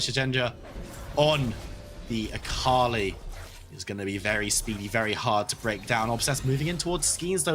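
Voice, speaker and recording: A man calling play-by-play for a competitive video game match, talking in a steady, flowing way with some playful banter. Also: mid-range voice. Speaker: esports play-by-play caster.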